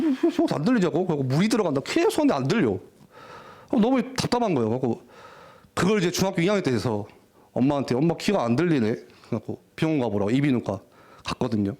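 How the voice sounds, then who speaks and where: A young man preaching a lively, jokey youth sermon in a church, often acting out teenagers' voices. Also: a little high. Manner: animated, jokey, acts out teen voices. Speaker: youth pastor. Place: church worship hall.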